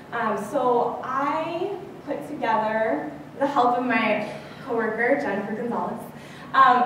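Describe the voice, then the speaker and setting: A woman's voice: on the high side, a little hiss or hum. A young woman giving an earnest, conversational conference speech to a large hall. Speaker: conference keynote speaker. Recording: echoey hall from far off.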